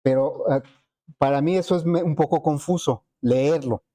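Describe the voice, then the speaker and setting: Male teacher, mellow, slightly high voice; patient classroom explainer. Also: moderate pace. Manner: explanatory, frequent rhetorical questions to students. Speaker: programming teacher. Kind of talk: classroom lecture.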